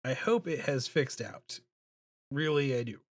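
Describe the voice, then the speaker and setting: A man hosts a relaxed drawing livestream at an unhurried pace. He thinks out loud and mumbles a little, with a self-deprecating manner. His pitch sits in an ordinary male range. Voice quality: deep voice. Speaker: livestreaming illustrator and host. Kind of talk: casual livestream chat while drawing. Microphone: streaming microphone.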